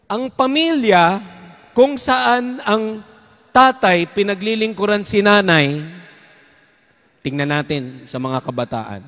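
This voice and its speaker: High-voiced priest in a reverberant hall. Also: male voice, fairly bright tone. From Visayas, Philippines. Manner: playful, jokes and asks the audience to clap. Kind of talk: parish recollection talk leading prayers. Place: church or parish hall.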